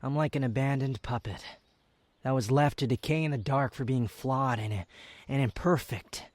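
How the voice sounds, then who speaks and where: A man's voice: mid-range voice, no echo, lightly acted. Man acting a proud, sardonic young wanderer, close and dry. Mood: vulnerable, earnest. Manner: teasing, haughty, dramatic, with deliberate pauses. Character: proud, sardonic young male wanderer, guarded yet tender lover. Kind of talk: romantic ASMR roleplay, close and intimate.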